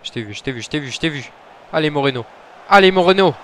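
A man commentating his own football video game match, muttering between plays and shouting when goals go in. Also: mid-range voice, very fast. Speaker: gaming commentator.

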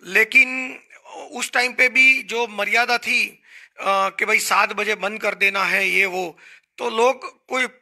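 Middle-aged Indian man, talk-show guest; high, gravelly voice, earnest and explanatory. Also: fairly even intonation, takes it slowly, sharp tone. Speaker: hotel association guest. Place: small studio set, indoors. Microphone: handheld mic.

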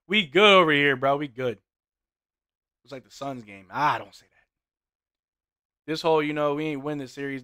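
A young man doing live play-by-play and chat reading while watching a game, his voice getting hoarse, in a small room at a desk mic. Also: medium pitch. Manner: play-by-play calls mixed with relaxed banter. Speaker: sports watch-along streamer. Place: small indoor room with gaming chair.

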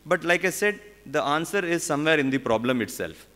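A man in his forties with an Indian English accent, speaking at a conference podium in a halting way, with many fillers and restarts. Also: on the high side, expressive, pushed and bright. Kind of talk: conference panel talk. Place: large conference hall on stage. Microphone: podium microphone. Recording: long hall reverb.

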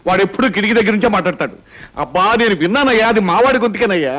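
An actor playing a gruff middle-aged father in a film scene. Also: high voice, expressive, rapid-fire, fairly bright tone, rough recording. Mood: annoyed. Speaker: wealthy father figure. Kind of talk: Telugu film dialogue.

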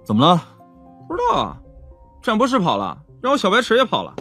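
A bewildered, chatty policeman, acted by a man in an audiobook drama. He talks fast in a bright, sharp voice that swoops wildly up and down. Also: high voice, huge pitch swings, soft background music, full character voice. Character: bewildered, chatty male police colleague in audiobook comedy beat.

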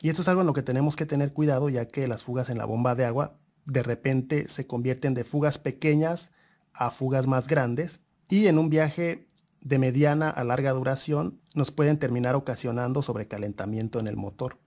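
A man's voice: mid-range voice, normal speed, darkish tone. Methodical man explaining car repairs. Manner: methodical, repeats points, points out parts. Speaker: auto mechanic instructor.

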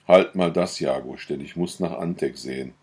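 A man voicing a shrewd old widowed farmer in a storybook reading, speaking deliberately. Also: extremely low pitch, darkish tone, breathy edge. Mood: measured. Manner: deliberate, measured.

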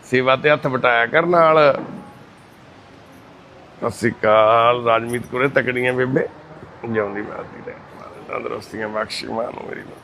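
A man chatting gently and reassuringly with residents of a shelter, greeting the women as mothers and sisters. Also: mid-range voice, steady tone, moderate pace, slight background noise. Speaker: charity volunteer visiting residents. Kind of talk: casual chat with care-home residents. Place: indoor shelter for destitute people.

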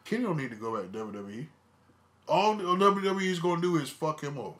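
A man with a slightly high voice talks casually as a podcast co-host. He is blunt and opinionated, swears freely, and repeats words to hammer his point. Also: sing-song, fast, fairly bright tone. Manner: emphatic, repeats words for stress. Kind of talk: casual wrestling podcast chat.

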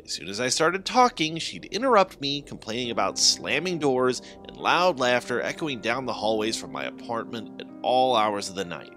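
A man reading a first-person horror story as a scripted, dramatic narration in an expressive, deliberate way. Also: medium pitch. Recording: background music under the voice. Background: music.

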